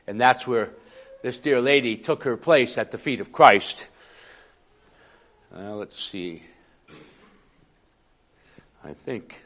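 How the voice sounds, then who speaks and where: Man, preacher, raspy, hoarse, coughing, conversational sermon, mid pitch. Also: expressive, takes it slowly, pauses often, a bit bright. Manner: conversational, chuckling asides.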